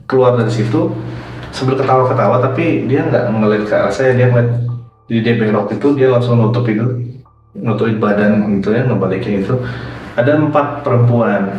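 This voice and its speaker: Set back from the microphone in an echoey room, a man with a mid-range, darkish voice tells of a ghost he personally encountered. The first-person horror tale is casual and chatty, full of fillers and repeated words, over faint music.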